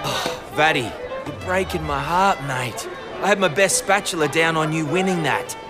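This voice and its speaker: A man's voice: fairly high pitch, normal speed, lightly acted. An actor playing a boisterous, matey bookmaker in a science fiction audio drama, with a colloquial showman's manner. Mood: matey, reassuring. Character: boisterous, matey male bookmaker in spaceship bar. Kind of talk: dramatic acting. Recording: loud music and crowd behind. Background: loud music and crowd.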